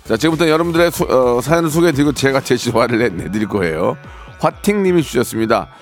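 Lively playful male radio DJ. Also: medium pitch, fast, soft background music. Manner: playful, mock-angry outbursts reading listener stories. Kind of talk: live radio show hosting. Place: radio studio.

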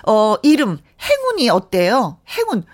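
A woman's voice: a little high, huge pitch swings, a little slow, crowd noise. A woman hosting a radio show, reading listener messages aloud in a playful, chatty way. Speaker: radio host. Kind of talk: casual radio chat.

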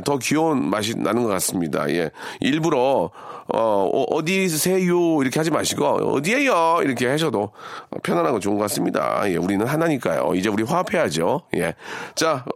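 Lively chatty male radio DJ. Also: medium pitch, gravelly, no room sound, clean studio sound. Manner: chatty, playful, talks straight to listeners. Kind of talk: radio show hosting, reading listener messages. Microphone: studio microphone.

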